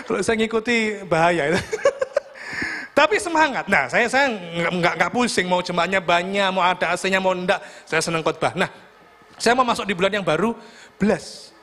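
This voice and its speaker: A middle-aged pastor preaches in a church hall. His voice sits high for a man. He tells joking personal stories, turning to the congregation again and again. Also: normal speed, sharp tone. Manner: humorous storytelling, addresses congregation as "saudaraku". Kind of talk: sermon.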